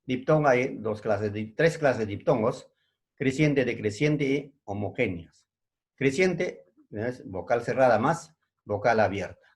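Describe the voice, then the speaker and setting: A man's voice: medium pitch, animated, unhurried. A man teaching a secondary school language class, who repeats each point and keeps checking in with his students. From Peru. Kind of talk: recorded language lesson.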